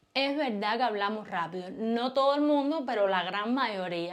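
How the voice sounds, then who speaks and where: A woman speaks in a Cuban accent with lively intonation. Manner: fast, clipped consonants.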